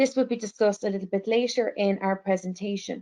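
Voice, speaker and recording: With an ordinary speaking voice, a woman speaks at a medium pitch and fairly even intonation. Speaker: conference presenter. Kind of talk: conference presentation.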